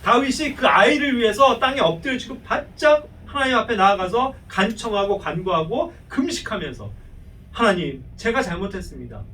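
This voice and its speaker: A man preaching a sermon in an animated style, asking the congregation rhetorical questions and acting out prayers. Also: very high-pitched, normal speed, hardly any pauses, far from the mic, slight background noise, low-quality recording.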